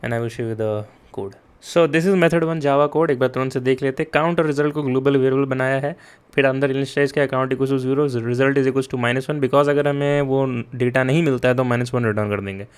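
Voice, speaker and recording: A man's voice: mid-range voice, fairly even intonation, normal speed, clean tone. Chatty young man teaching coding. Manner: mixes Hindi and English, chatty with frequent "yaar" and "theek hai?"; addresses students directly and urges them to take notes. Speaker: coding tutor. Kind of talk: casual explained lesson.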